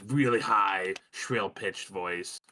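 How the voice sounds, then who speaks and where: A man playing a pompous, forceful inspector. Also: low-pitched, takes it slowly, heavily acted. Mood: brusque. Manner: bossy, blustering with frequent ums and restarts. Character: brusque male safety inspector, pompous and condescending. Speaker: player. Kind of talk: tabletop game role-play.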